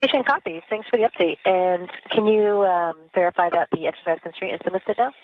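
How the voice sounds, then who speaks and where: A crew member, a woman, speaking fast over a space-to-ground radio channel. Her voice comes through squeezed and narrow, like a phone line, with no room sound around it. She keeps her replies short and casual. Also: lowish voice, no room sound. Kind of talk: radio communication with mission control.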